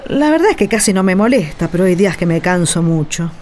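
Woman playing a quick Argentine expectant mother. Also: fairly low pitch, sing-song, darkish tone, a little hiss or hum. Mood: easygoing. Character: good-natured pregnant office cleaner, mildly weary. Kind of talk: colloquial radio drama dialogue.

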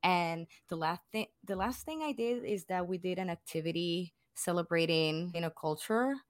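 A woman's voice: fairly low pitch, moderate pace, no room sound, clean studio sound. A young woman from Puerto Rico with a Puerto Rican accent, Spanish her first language, talking casually and animatedly in an interview with many restarts. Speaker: guest.

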